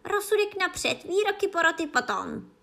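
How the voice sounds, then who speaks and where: A woman's voice: very high voice, sing-song, vocal fry, pushed and bright, pitched above the performer's own voice, exaggerated voice. A woman voicing a furious, tyrannical queen who screams her orders in a storybook reading. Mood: furious shriek.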